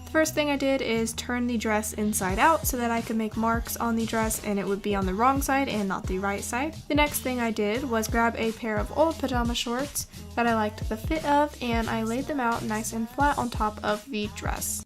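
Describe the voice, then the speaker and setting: A young woman narrates a how-to in a fairly high voice over light music. She explains each step in order, as a prepared voice-over. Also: normal speed, few pauses. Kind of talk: scripted tutorial voice-over.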